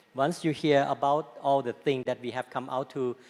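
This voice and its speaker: A man with an unremarkable speaking voice, fairly high in pitch, at a moderate pace with fairly even intonation. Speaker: stock exchange executive. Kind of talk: panel discussion.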